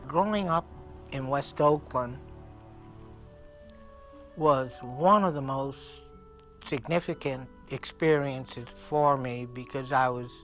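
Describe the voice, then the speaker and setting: An older American man recalls his past in a measured interview manner. His voice sits at a middle pitch with a bright, firm edge. Music plays faintly behind him. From San Francisco Bay Area, USA. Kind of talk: measured documentary reminiscence.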